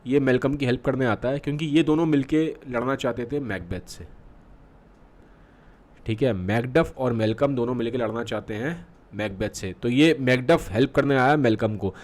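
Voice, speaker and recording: A man's voice: mid-range voice, darkish tone. A male literature teacher explaining a play in a Hindi and English mix, checking in often with the class. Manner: reads quoted lines slowly with fillers, frequent "theek hai".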